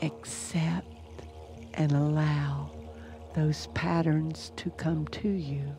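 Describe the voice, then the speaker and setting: With music in the background, a woman talks very slowly, pausing long and often. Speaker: minister; meditation guide. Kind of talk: guided meditation. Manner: calm, slow.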